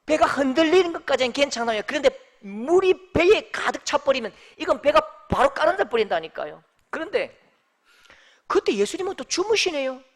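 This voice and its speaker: Male pastor, high lively voice, jokey sermon delivery full of questions. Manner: animated, humorous, rhetorical questions.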